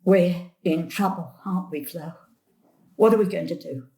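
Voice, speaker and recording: A woman playing a sharp, gloomy elderly grandmother in an audio drama, blunt and querulous. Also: on the low side, moderate pace, lightly acted. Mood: worried. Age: older. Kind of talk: stage-thriller audio drama acting.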